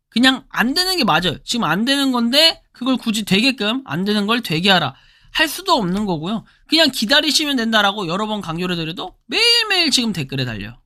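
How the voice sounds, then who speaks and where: A woman with a hoarse throat hosting her own channel, giving casual spoken commentary as she explains what is on her screen and often starts sentences with a prompting word. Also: medium pitch, sharp tone. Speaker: crypto channel host.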